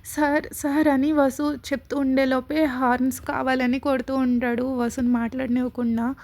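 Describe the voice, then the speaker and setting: A woman narrating a romantic serial story in a steady, conversational way. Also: high-pitched, normal speed.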